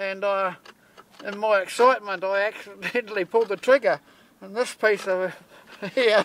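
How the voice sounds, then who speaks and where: A man's high-pitched voice at a moderate pace, with ordinary pitch variation, a dry sound with no echo and light background noise. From New Zealand. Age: 70s. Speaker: spearfisherman. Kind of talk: interview answer. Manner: casual, anecdotal. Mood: amused storytelling. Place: garden.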